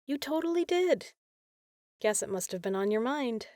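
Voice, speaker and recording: A woman playing a caring, teasing big sister in an intimate comfort roleplay, talking softly and casually. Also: a little high, expressive, moderate pace, dry recording, clean studio sound, natural voice. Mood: teasing, playful. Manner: soft, soothing, casual, playful.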